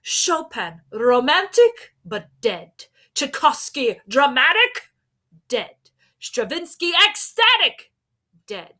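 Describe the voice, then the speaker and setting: A young woman giving an expressive storybook read-aloud, like a teacher, indoors on a laptop mic. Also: high-pitched, slow pace.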